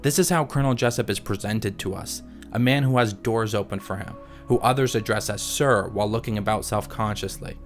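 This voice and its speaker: Low-voiced man narrating a video essay. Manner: measured, articulate, explanatory. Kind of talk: scripted narration, writing analysis. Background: background music.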